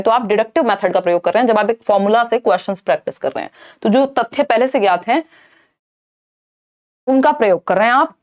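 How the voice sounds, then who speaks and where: Indian woman teaching an exam-prep lecture. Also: on the high side. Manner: explains in Hindi mixed with English terms, asks and answers own questions.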